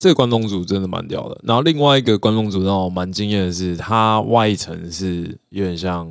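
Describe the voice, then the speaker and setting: In a normal speaking voice, a man talks at a moderate pace with hardly any pauses. His pitch is fairly low, with ordinary pitch variation. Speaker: podcast co-host. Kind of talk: casual chat.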